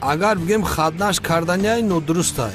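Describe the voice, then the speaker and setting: A man's voice: fairly high pitch, music in the background, close to an everyday voice. A man dubbing a wary sidekick who makes doubtful, muttered remarks. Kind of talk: film dub.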